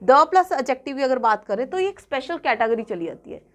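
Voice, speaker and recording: Brief: woman exam-coaching teacher, somewhat high voice, patient repeated examples. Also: sing-song. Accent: Punjabi-influenced Hindi-English. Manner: checks in often with students, repeating examples slowly. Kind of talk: classroom grammar lesson.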